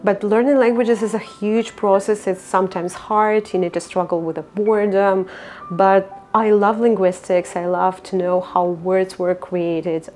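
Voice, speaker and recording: Slight hiss or hum sits under a lowish, slightly mellow female voice. She's a Russian-accented vlogger in her thirties, chatty and reflective, filling her non-native phrasing with fillers as she records a casual personal vlog.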